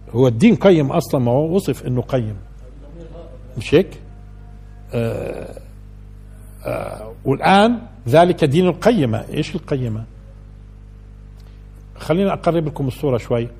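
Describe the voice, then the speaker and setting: A man's voice: medium pitch, warm tone, husky. An older man giving a conversational Quran lesson, asking his listeners questions and building to emphatic peaks. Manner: conversational lecturing, asks the audience questions, rises to emphatic peaks. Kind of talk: colloquial religious lesson.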